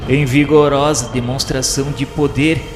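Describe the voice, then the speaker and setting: A man delivers dramatic radio novela narration in a solemn, theatrical way. His mid-pitched voice rings in a long, echoing reverb, with music clearly playing behind him. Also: fairly even intonation, normal speed. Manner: solemn, theatrical, literary phrasing. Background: clear background music.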